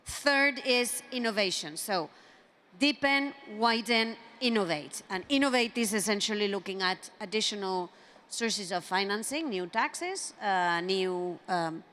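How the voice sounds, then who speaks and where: A woman at a conference panel, speaking at a middling pitch. She talks in a measured way, often pausing on fillers and restarting her sentences. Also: expressive, a bit bright. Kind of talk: panel discussion remarks. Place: conference hall.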